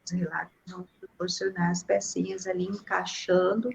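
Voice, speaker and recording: Woman in her 40s, lowish creaky voice, lots of "né", slight hiss behind. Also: level tone, moderate pace. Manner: reflective, many fillers like "né" and "assim". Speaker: interviewee. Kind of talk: casual conversational interview. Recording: faint background noise.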